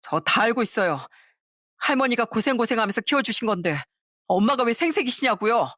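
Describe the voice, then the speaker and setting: A woman's voice: a little high, animated, fairly quick, fairly bright tone, dry recording, voice pushed up. A woman voicing a grown son who reproaches his mother, in a dry recording. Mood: reproachful. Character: resentful adult son confronting his mother.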